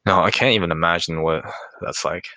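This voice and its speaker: A man's voice: low voice, brisk, pushed and bright, no room sound. A young man in casual chat, asking hesitant, inquisitive questions.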